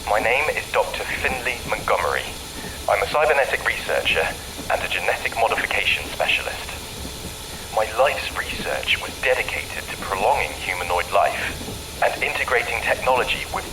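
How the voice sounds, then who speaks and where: An actor playing a grave, remorseful scientist and father, delivering a solemn, deliberate confession in an audio drama. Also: lowish voice, animated, close to an everyday voice. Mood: desperate. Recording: clearly noisy recorded message.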